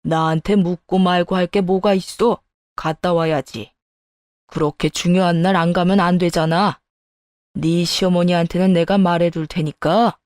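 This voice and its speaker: A woman's voice: on the low side, fairly even intonation, moderate pace, a little mellow, no echo, clean studio sound, close to an everyday voice. A woman voicing an angry older father-in-law who scolds harshly in a narrated family story. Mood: reassuring. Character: furious older father-in-law, stern and blunt. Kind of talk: storytelling dialogue.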